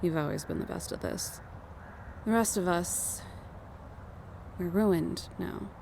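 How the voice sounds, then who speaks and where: A woman's voice: on the low side, slow pace, creaky, a little mellow. A woman acting a weary, protective young leader of fugitives in an audio drama, with a subdued, serious delivery. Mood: weary, resigned. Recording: noisy outdoor ambience bed.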